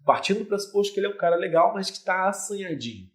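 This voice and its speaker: A man's voice: high voice, lively intonation, racing. A man with a Brazilian Portuguese accent, a relationship mentor talking straight to the viewer and explaining with everyday images. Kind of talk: direct-to-camera coaching talk.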